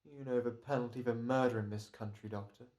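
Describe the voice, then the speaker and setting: A man's voice: mid-range voice, steady tone, brisk, a little mellow, natural voice. A man playing a stubborn, urbane jewel thief in an old-time radio thriller. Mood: cool, mocking.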